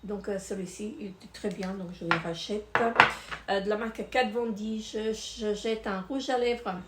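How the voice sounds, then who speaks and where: A woman's voice: mid-range voice, fairly even intonation, unhurried. Hesitant woman reviewing products, echoey room. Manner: hesitant, many fillers and repeated words. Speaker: beauty vlogger. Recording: echoey room with faint noise.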